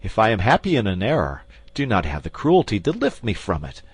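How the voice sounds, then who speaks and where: A man's voice: lowish voice, wildly swooping pitch, fairly quick, slightly rough, no room sound, heavily acted. A man playing a fervent lovesick nobleman. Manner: fervent, impassioned delivery. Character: ardent lovesick nobleman, passionate and reckless. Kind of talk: audiobook character reading.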